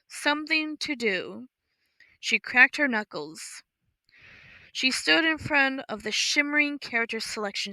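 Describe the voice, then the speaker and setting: A woman reads a story in a slow, measured, even way. Her tone is bright and a little high, captured close on a dry studio mic with no room sound. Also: dry recording, low-quality recording. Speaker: audiobook narrator. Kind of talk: scripted story narration.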